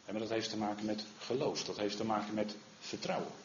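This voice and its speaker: A man preaching a sermon in an earnest manner, often asking "hè?" and growing louder when he quotes the Lord. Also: fairly low pitch, steady tone, fairly quick, a little hiss or hum. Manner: earnest, rises in volume when quoting the Lord, frequent "hè?". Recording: roomy, slightly dull recording.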